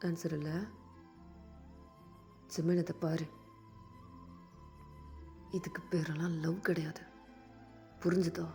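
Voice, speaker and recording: Gruff, scolding young man, put on by a woman narrator, low and gravelly. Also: little pitch movement, warm tone, faint music behind. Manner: harsh, scolding, rapid outbursts. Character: angry blunt young man, scolding friend.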